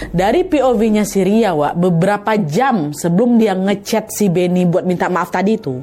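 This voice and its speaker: A woman telling a horror story in casual, animated chat. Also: lowish voice. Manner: animated, quick shifts into voices. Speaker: guest storyteller.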